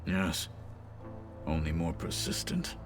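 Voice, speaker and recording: An actor playing a proud, loyal tribal warrior in a video game, speaking in a formal, measured, solemn way. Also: male voice, low-pitched, sing-song, over music, exaggerated voice. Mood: solemn, respectful. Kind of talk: video game character dialogue.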